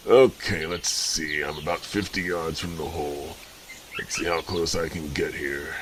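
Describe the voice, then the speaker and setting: Actor as a low-voiced easygoing golfer, birdsong behind. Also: male voice, fairly even intonation, a little slow. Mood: wry, focused. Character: easygoing male golfer muttering wryly to himself. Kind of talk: audio drama monologue. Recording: faint noise with birdsong.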